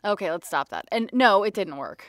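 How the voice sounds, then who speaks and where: A young woman in a scripted audio drama, teasing her friends with quick banter. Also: medium pitch, animated, no room sound, clean studio sound, close to an everyday voice.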